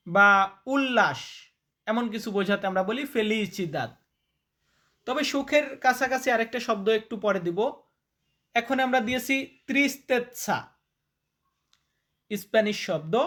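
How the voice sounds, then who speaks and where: A male language teacher talks viewers through a word list at a slow, measured pace. He drills every term by repeating it and quizzing the listener, and he speaks informally and directly, like a friend explaining things. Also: sits high, fairly bright tone. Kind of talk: spoken vocabulary lesson.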